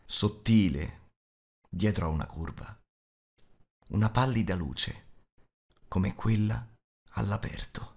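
A man narrating an audiobook in an expressive, measured storytelling manner. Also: fairly low pitch.

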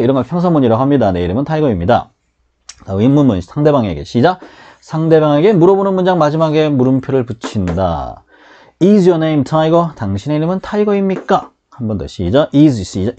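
Male grammar teacher for beginners, animated delivery, mellow tone, a little dull sound. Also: a little high. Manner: lively, drills students with call-and-repeat. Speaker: English teacher.

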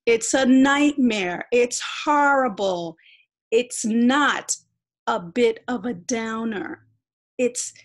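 A woman's voice: medium pitch, husky. A woman voicing an exasperated teenage girl who rants indignantly at her brother. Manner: indignant, emphatic ranting.

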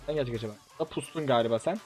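Over soft background music, a husky, medium-pitched voice races along as a young gaming YouTuber teases his way through a shooter match. The excited commentary is playful and full of laughing shouts.

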